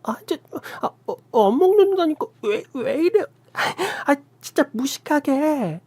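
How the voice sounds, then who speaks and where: A woman playing a spoiled young streamer who talks back in a high, shrill whine. Her voice swings widely from note to note, and the sound is close and dry in a storybook reading. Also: big pitch swings, measured pace, darkish tone, no echo. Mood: protesting. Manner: shrill, stammering protests. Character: young selfish sister-in-law streamer, whiny.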